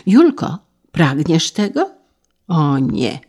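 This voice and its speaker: A woman's voice: low voice, huge pitch swings, slow pace, gravelly, darkish tone, slightly rough, exaggerated voice. A woman voicing a desperate young man who pleads with his sister in an impassioned, trembling way, in a dramatized reading. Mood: pleading.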